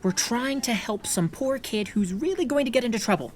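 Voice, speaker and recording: A woman's voice: fairly high pitch, lively intonation, a little fast, natural voice. Woman doing a pompous boy detective. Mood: insistent. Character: pompous know-it-all sixth-grade boy detective. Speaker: narrator and lead character. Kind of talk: audio drama acting.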